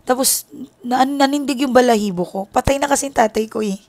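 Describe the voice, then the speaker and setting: A woman's voice: high voice, brisk, darkish tone. A woman from the Philippines, a tarot reader, telling a personal story in a candid, confiding way, linking her thoughts with many filler words.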